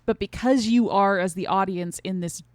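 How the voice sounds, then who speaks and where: A woman co-hosting a podcast, explaining her opinions in a casual, animated way with lots of "like" and "right?". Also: mid-range voice, normal speed, no room sound. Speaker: podcast co-host. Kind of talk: casual conversational review.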